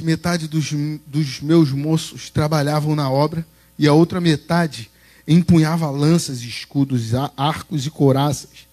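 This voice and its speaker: A man preaching a sermon in a church, reading scripture slowly and then breaking into loud exhortation. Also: on the high side.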